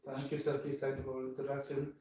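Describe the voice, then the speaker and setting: A man's voice: medium pitch, completely flat delivery, fast talker, dark tone, distant mic. Hesitant man from Syria, echoey room. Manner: hesitant, lots of fillers. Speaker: podcast guest. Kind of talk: casual interview.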